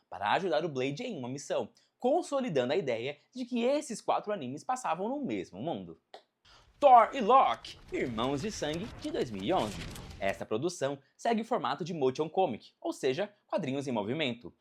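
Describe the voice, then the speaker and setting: A woman's voice: low voice, slightly rough. A woman with a Brazilian accent reading a scripted video essay as narrator. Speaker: narrator of a pop culture video.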